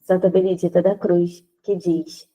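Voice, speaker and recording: A congested woman with a stuffy nose leads a prayer, then teaches a Catholic women's group. She talks gently and deliberately and repeats phrases while she searches for words. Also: lowish voice, little pitch movement, low-quality recording. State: congested, nasal from sinusitis.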